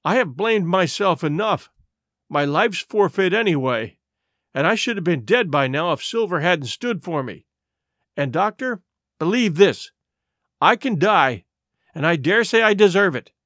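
An earnest, remorseful teenage boy, as a male narrator puts him on, raising his voice higher than the reader's own. The delivery rises and falls a lot and sounds close and dry. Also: sing-song, a little slow, fairly bright tone, no room sound, exaggerated voice. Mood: pleading.

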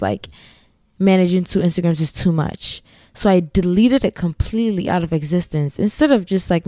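A woman's voice: fairly low pitch, darkish tone, dry recording, clean studio sound. A woman with a Ghanaian accent hosting her own podcast solo, chatting in a rambling, giggly way with asides. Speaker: podcast host. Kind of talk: casual solo podcast chat.

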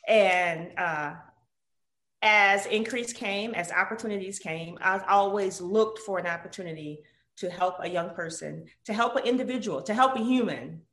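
A woman from Detroit, a guest telling her life story in a casual interview, with animated quoted voices. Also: medium pitch, normal speed. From Detroit, USA. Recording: roomy echo.

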